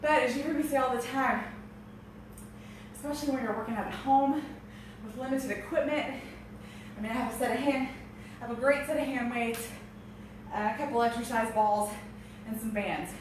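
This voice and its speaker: A woman's voice: fairly high pitch, steady tone, moderate pace. A woman coaching a workout as an aerobics instructor, with peppy encouragement and audible exertion in her breathing. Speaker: aerobics and strength instructor leading a home workout. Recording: echoey room, distant mic, noisy.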